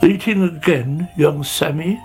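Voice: medium pitch, unhurried, darkish tone, faint music behind, pitched above the performer's own voice, close to an everyday voice. A storyteller voicing a weary, fussy old male snail who sighs and scolds. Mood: scolding. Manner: sighing, scolding.

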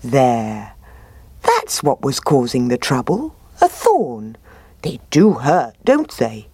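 Woman playing a lazy male brown bear, storybook, friendly, unhurried, dry sound. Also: very deep voice, big pitch swings, mellow, breathy edge, no room sound, exaggerated voice. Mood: easygoing.

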